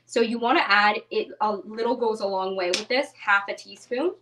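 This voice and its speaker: A woman's voice: medium pitch, normal speed, background noise. A young woman giving a live cooking demonstration from her home kitchen, chatty and bubbly with lots of "like" fillers. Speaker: cookbook author demonstrating a recipe. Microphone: video call webcam at a distance. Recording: distant mic in a kitchen.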